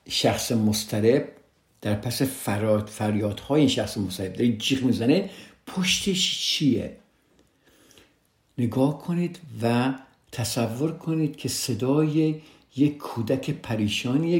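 A man's voice: mid-range voice, darkish tone, roomy sound. A man hosting a radio advice program, speaking earnestly and directly to his listeners, often repeating his main points. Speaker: radio host giving relationship advice. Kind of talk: casual advice talk on a podcast.

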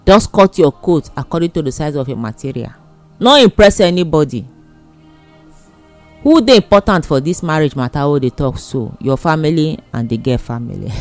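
A man's voice: on the high side, dry recording. A man with a Nigerian accent giving casual advice in an emphatic, repetitive, plain-spoken way. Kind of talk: casual advice monologue in Pidgin.

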